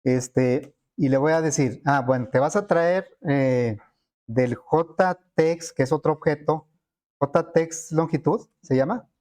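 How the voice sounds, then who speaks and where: A man walks students through code in a screen-recorded lesson. His voice sits a little high for a man, and he thinks aloud, pausing on fillers and checking in with his class as he goes. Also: a little mellow. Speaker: programming teacher.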